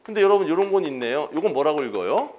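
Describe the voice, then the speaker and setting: A man's voice: fairly high pitch, sing-song, quick pace, a little mellow, dull audio, a little hiss or hum. A man giving an exam-prep chemistry lecture, asking students questions and answering them himself, repeating key terms.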